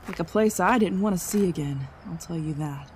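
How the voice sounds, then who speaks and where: A woman's voice: on the low side, fairly quick, a little mellow, a little hiss or hum, close to an everyday voice. An actress playing a wary, businesslike woman investigator in an audio drama. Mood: uneasy, resolute.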